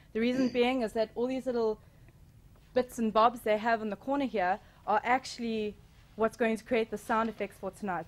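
A woman speaking as a director, giving a live spoken introduction to an audience. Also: medium pitch.

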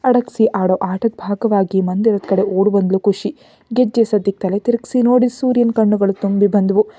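A woman reads a scripted story in a steady, gentle manner. Her voice is very dark and mellow, at a middle pitch. The recording is dry and close, with no room sound. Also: normal speed, no echo.

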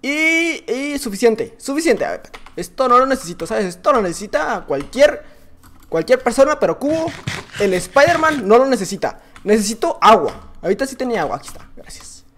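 A man with a Mexican accent giving excitable, joking gameplay commentary, now and then singing or yelling. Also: very high-pitched, brisk. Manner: excitable, joking, breaks into silly singing and shouting. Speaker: gaming YouTuber.

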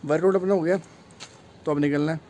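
A man's voice: a little high, fairly even intonation, a little fast, loud music behind the voice. A man, chatting casually to a phone at arm's length as a travel vlogger. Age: 20s. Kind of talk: casual travel vlog chat. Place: plain rooms, rooftop, streets and shops.

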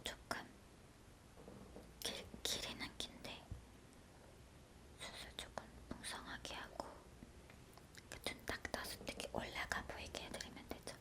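A woman performs a whispered role-play as a beauty technician. Her voice is a soft, breathy whisper throughout. She talks gently and politely, as if attending to a client lying close by. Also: a little slow, pauses often. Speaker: ASMR performer playing an eyelash extension technician.

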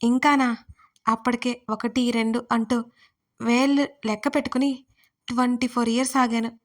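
A woman's voice: fairly high pitch, flat delivery, moderate pace, natural voice. A woman storyteller voicing a playful, teasing young woman who jokes with her fiancé in a romance audio story. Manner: teasing, childlike banter.

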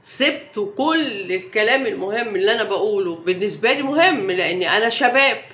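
A woman's voice: medium pitch, lively intonation, a little fast, a bit bright, echoey room, dull audio. A young Egyptian woman vlogging live about health, speaking emphatically and defiantly and piling up rhetorical questions. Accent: Egyptian Arabic. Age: young adult. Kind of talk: casual live-stream talk.

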